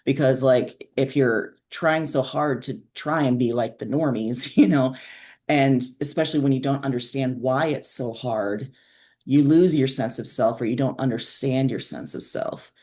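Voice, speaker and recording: A woman's voice: very deep voice, moderate pace, dark tone. A woman being interviewed as an author, explaining her thoughts in a casual, reflective way and building points in lists.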